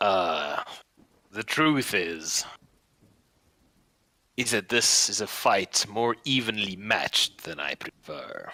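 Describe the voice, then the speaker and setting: With long, frequent pauses and a very slow pace, a man performs a rumbling put-on character voice at a fairly low pitch. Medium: actual play. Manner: formal, articulate.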